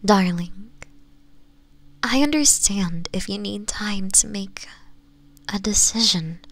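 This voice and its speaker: A woman voicing a doting, possessive fox-woman mistress in an intimate ASMR roleplay, softly coaxing and often slipping into whispers. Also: medium pitch, slow. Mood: gentle, reassuring. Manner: soft, breathy, coaxing, often dropping into whispers.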